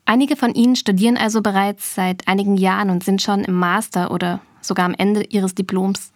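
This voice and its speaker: A woman's voice: medium pitch, steady tone, brisk, no echo. Woman host in a dry close sound. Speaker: podcast host. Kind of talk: scripted news narration.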